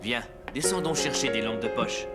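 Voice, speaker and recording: A man voicing a calm, caring young father in a dubbed cartoon, patient and reassuring. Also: medium pitch, moderate pace, over loud music, close to an everyday voice.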